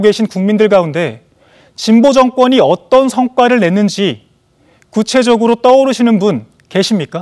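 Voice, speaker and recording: A man speaks with a high pitch and very even loudness. The background is quiet. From South Korea. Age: 20s. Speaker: political party youth aide. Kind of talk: televised political speech. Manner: formal. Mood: earnest, critical, measured. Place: studio.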